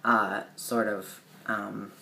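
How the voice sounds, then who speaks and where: A man's voice: fairly low pitch, flat delivery, extremely slow, gravelly, sharp tone. Young trans man vlogging in echoey room. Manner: rambling, many ums and restarts, light laughs. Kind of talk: casual video diary. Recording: roomy echo with faint background hiss.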